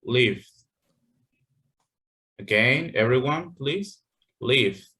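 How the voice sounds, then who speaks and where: A man's voice: mid-range voice, animated, extremely slow, sharp tone. A man teaching an English class over a video call, patient and full of fillers, checking in with "okay" often.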